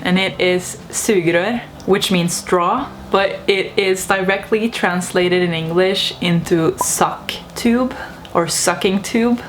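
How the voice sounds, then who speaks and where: A woman's voice: lowish voice, slight background noise. A young woman from Norway, chatting casually and playfully to her viewers in a video monologue. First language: Norwegian. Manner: chatty, lively, laughs at her own points. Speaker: vlogger.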